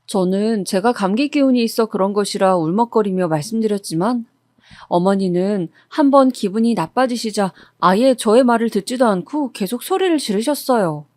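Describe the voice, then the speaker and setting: This woman's mid-range voice moves at normal speed as she steadily narrates a first-person true-life account. Captured close on a studio mic, the reading has no room sound.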